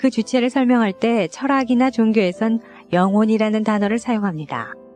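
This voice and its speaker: Fairly high pitch from a woman, moderate pace, ordinary pitch variation, music in the background. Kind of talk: audiobook reading.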